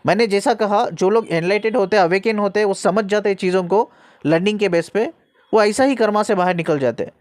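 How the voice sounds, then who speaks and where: A man's voice: high-pitched, fairly quick. Earnest man giving a spiritual talk. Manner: repeats phrases for emphasis, frequent "okay" checks; earnest, explanatory, speaks to the listener directly. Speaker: spiritual guide. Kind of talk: spiritual teaching monologue.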